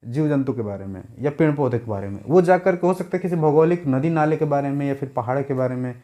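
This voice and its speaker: A man's voice: medium pitch, quick pace, warm tone. A young adult male teacher giving an exam-prep lecture, repeating key words and putting rhetorical questions to his students.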